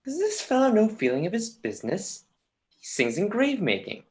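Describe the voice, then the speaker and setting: A woman's voice: mid-range voice, wildly swooping pitch, normal speed, husky. A brooding young prince, acted by a woman in a Shakespeare play reading. The delivery is musing and sardonic, witty, and built on rhetorical questions.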